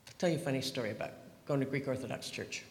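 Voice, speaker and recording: A man's voice: medium pitch, rapid-fire, darkish tone. A man around seventy from the Pacific Northwest of the US, giving a chatty, humorous personal testimony with wandering restarts. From Pacific Northwest, USA. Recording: echoey hall with long reverb.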